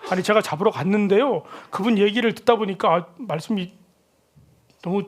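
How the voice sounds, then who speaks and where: A man's voice: high voice, moderate pace. A man playing a flustered temple guard. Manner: hesitant, stammering excuses.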